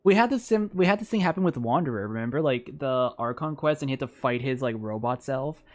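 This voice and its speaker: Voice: medium pitch, animated, fairly quick. A game streamer of unclear sex giving casual, informal playthrough commentary and reacting aloud. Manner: informal, reacts aloud, reads on-screen text.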